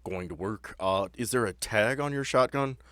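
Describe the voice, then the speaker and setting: A man's voice: lowish voice, normal speed, fairly bright tone, no room sound. A man working as game master, narrating a tabletop game in a conversational, descriptive way with plenty of explanation.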